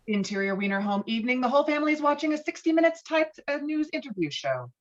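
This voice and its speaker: Animated woman narrating, slightly dull audio. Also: high voice, fast talker. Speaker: narrator reading stage directions. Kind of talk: scripted narration.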